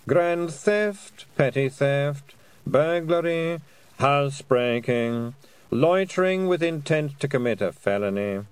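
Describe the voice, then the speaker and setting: A man voicing a dry, pompous lawyer who reads charges slowly and formally. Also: on the high side, lively intonation, clear, resonant tone, dry recording, voice pushed up. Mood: droning formal. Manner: formal, slow, droning.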